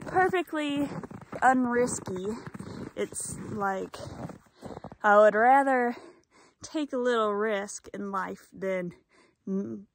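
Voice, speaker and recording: A young adult woman chatting casually to camera as a solo hiking vlogger, somewhat out of breath, musing in short halting phrases. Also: medium pitch, noisy background. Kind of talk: casual vlog chat to camera while hiking. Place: outdoors on a snowy mountain trail. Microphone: handheld phone at arm's length.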